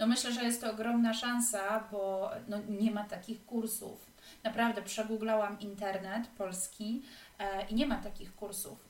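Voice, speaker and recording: A woman speaks at a fairly slow pace and a fairly high pitch. Her intonation is monotone and flat. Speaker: podcast host. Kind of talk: interview. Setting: guest's family home in Granada.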